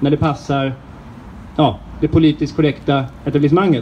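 This man talks in a flat monotone at a fairly high pitch, over light background noise. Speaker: rally speaker. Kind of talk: public speech. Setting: outdoors. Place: street. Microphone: camera far.

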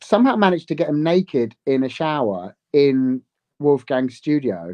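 With a southern English accent, a man talks in very wide pitch swings. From Surrey, England (Kingston upon Thames). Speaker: fashion stylist and life model. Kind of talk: casual chat. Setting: video call.

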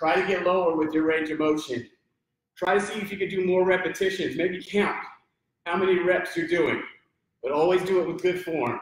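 A man with a high pitch talks at a fairly quick pace with long, frequent pauses. The room echo is audible, though the background is quiet. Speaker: fitness instructor. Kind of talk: guided live workout, coaching through exercises. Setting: laptop camera, online video. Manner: animated, brisk, upbeat coaching cues; clear, encouraging, and instructive. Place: gym. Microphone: webcam.

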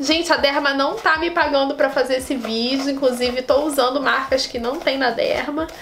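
A woman with a high voice and fairly even intonation talks with hardly any pauses over light background noise. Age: 30s. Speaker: hair care youtuber and hairdresser; hair care youtuber. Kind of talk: beauty tutorial. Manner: casual, chatty. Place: home room. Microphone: camera far.

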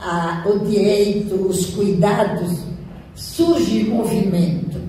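A woman speaks in a room with strong echo and light background noise. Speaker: panelist. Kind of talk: panel discussion answer. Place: hall. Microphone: podium.

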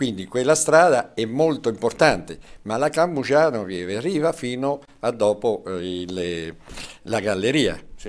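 Moving through very wide pitch swings, a man speaks at a fairly slow pace with medium pitch. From Marche, Italy. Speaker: mayor. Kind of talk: TV interview. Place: studio. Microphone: lapel.

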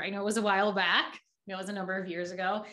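Against a quiet background, a woman with an American accent speaks in a bright, sharp tone. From Baltimore, US. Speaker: podcast host. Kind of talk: casual interview. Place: home room.

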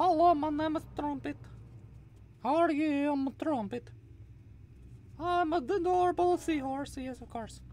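In a put-on character voice, the speaker talks at a moderate pace with a high pitch and long, frequent pauses. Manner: silly, adorable.

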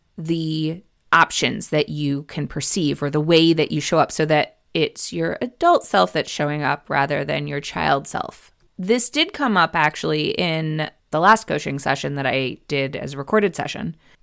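On a very clean recording with a silent background, a woman with a very deep, low pitch, vocal fry and a warm tone speaks at a moderate pace with lively intonation. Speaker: podcast host and coach. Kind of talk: solo podcast monologue. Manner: warm, conversational, encouraging.

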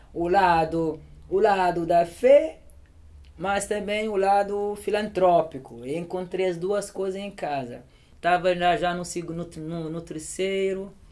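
A very slow pace with ordinary pitch variation. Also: man. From Cape Verde. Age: 30s. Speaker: priest and missionary. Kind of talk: casual interview conversation. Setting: bedroom, recorded with equipment. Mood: reflective, calm. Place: home room.

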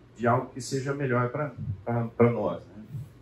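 Audible room echo around a man's somewhat breathy voice. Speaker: church class teacher. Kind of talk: lecture. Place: classroom.

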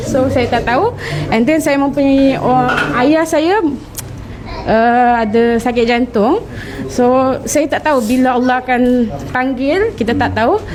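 A woman with a Malaysian accent speaks at a fairly slow pace, her pitch varying in an ordinary way. Her loudness stays very even over noticeable background noise. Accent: Malaysian Malay with English code-switching. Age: 20s. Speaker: stateless resident seeking citizenship. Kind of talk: interview testimony. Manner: halting.

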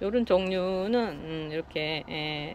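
A woman's fairly low voice with ordinary pitch variation, dry with no echo, over light background noise. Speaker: succulent gardening YouTuber. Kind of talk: casual gardening vlog narration. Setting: at an open veranda window at home. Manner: friendly, frequent laughs and fillers. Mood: warm, pleased. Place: home room. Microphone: phone near.

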